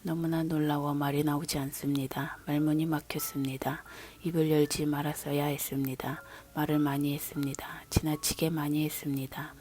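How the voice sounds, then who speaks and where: Humbled man's reply, woman reader, flat unvoiced whisper, whispered scripture reading. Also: sits low, normal speed, lightly acted. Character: humbled man answering God.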